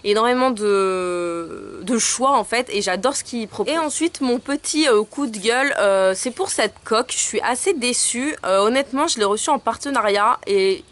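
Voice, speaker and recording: A woman's voice: on the high side, normal speed, few pauses, fairly bright tone. A young woman chatting casually in a haul vlog, showing products with many hesitations. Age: young adult. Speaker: beauty vlogger.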